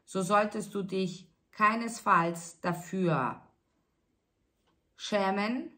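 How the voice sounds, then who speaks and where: A woman giving a spiritual tarot reading, speaking slowly and soothingly straight to the listener. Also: medium pitch, sharp tone. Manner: slow, soothing, addresses listener directly. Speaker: tarot reader.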